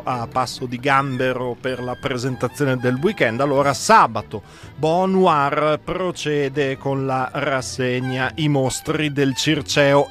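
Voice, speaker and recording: A man hosting a morning radio show, reading out the weekend's event listings in a brisk announcer manner with an occasional hesitation. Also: medium pitch, a bit bright. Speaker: radio host. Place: radio studio.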